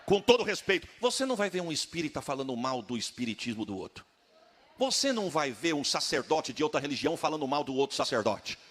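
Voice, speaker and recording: A man preaching an exhortation in a sermon, earnest and rebuking, rising to shouts. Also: fairly high pitch, very animated, quick pace, husky.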